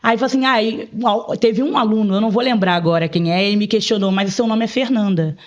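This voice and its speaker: A woman's voice: medium pitch, quick pace. A woman in a casual podcast chat who tells stories animatedly and acts out the dialogue she quotes. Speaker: bilingual program advisor. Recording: dull lo-fi sound.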